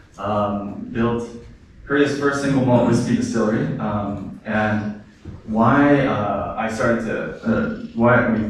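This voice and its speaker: A man with fairly even intonation, audible room echo and noticeable background noise. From Korean American. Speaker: whisky distillery founder. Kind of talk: conference talk. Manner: casual, many fillers.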